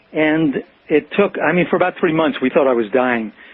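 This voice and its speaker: A man's pitch varies in an ordinary way while noticeable background noise carries on around him. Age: 60s. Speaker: caller. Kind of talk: health question on call-in show. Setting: phone call. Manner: hesitant with many fillers.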